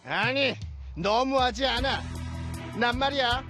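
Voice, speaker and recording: High-pitched, sputtering foiled villain. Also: female voice, slow, fairly bright tone. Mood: indignant, spiteful. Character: mischievous, scheming childish villain posing as a friendly man. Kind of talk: theatrical children's show acting. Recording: background music throughout.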